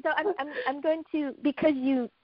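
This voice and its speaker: A woman's voice: high-pitched, fairly even intonation, normal speed, crowd noise. A woman with an Asian accent hosts a conversational interview, speaking off the cuff in an effusive manner. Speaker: host introducing and interviewing a guest. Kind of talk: conversational interview with unscripted introduction. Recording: dull, lo-fi sound.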